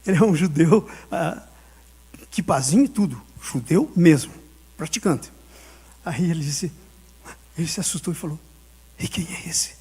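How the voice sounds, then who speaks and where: Male pastor, high and slightly husky; storytelling sermon, acts out dialogue. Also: moderate pace, pauses often, mellow. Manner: storytelling, acting out dialogue, laughing often.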